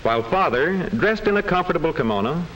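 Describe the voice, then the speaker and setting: A man's voice: a little high, animated, fast, a bit bright, a little hiss or hum, low-quality recording. A man reads scripted narration for a vintage educational classroom film.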